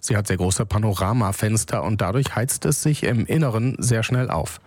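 A man reading scripted regional news on the radio in a calm, measured, even delivery. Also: on the low side, no room sound. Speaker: newsreader. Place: radio studio. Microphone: close studio microphone.

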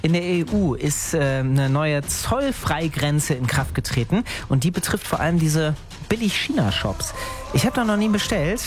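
A man's voice: a little high, lively intonation, normal speed. A man hosting a morning radio show, reading weather and traffic and chatting to listeners in an upbeat way. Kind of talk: casual radio presenting. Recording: music bed under the voice.

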